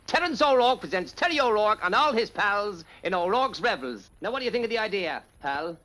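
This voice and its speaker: An actor playing a smooth-talking showman and con man, full of glib, backslapping salesman patter. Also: high voice, sing-song, fairly quick, sharp tone, full character voice.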